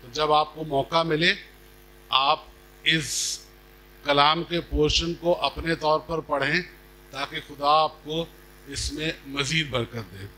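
A middle-aged man preaching a sermon in a measured, deliberate manner, speaking into a podium microphone. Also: a little high, fairly even intonation, sharp tone, a little hiss or hum, rough recording. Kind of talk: sermon with scripture reading. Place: stage at a church gathering. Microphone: podium microphone on a stand.

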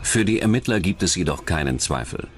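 A man's voice: low voice, very animated, fairly quick, vocal fry. A man reading scripted true-crime documentary narration as the narrator. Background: background music.

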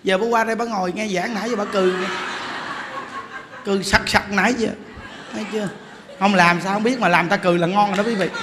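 A Buddhist monk giving an animated sermon, joking as he tells stories and addresses the audience directly. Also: high-pitched, quick pace, pauses often, long reverb tail, noisy background. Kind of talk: lively sermon.

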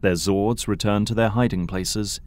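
A man's voice: lowish voice, fairly even intonation, measured pace, darkish tone. A man giving dramatic scripted narration for an audio drama.

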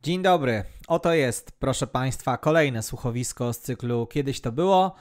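A man's voice: mid-range voice, expressive, moderate pace. A man, narrating as a podcast host in a scripted style.

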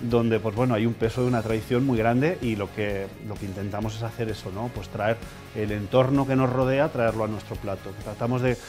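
A chef speaking in a measured, reflective way in an interview in a restaurant lounge. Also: male voice, fairly low pitch, steady tone, darkish tone, soft background music. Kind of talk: interview talk.

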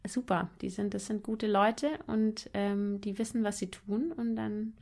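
A woman's voice: medium pitch, fairly even intonation, unhurried, gravelly, darkish tone. Enthusiastic woman, casual interview guest. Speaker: musician guest.

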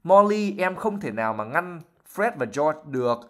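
A man reading aloud as a tired, worried middle-aged father who speaks in a weary, slow way. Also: a little high, sing-song, a bit bright, pitched above the performer's own voice.

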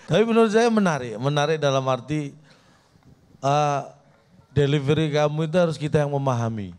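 Male comedy judge, slightly high voice, deadpan mock-serious teasing. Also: normal speed. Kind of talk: bantering critique on a TV comedy show. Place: TV studio.

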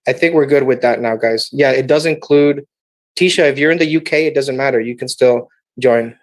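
A man hosting a trading webinar on a video call, making a sales pitch and answering viewer questions. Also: a little fast, no echo. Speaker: webinar host.

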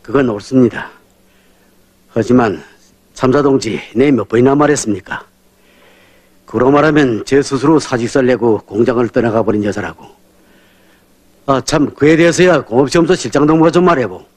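Actor as middle-aged North Korean manager, medium-pitched male voice, argumentative, film drama. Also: moderate pace, pauses often, darkish tone, close to an everyday voice. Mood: insistent.

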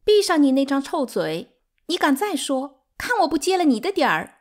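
A woman voicing a hysterical, defiant younger concubine in an audiobook, shrill and wailing with grievance. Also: very animated, normal speed. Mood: bitter, accusing. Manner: wailing, taunting. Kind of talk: dramatic audiobook character acting.

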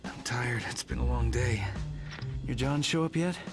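A man's voice: medium pitch, normal speed, over music, natural voice. An actor playing a weary, bewildered man in video game dialogue. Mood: tired, uneasy. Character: weary, bewildered man searching a strange town.

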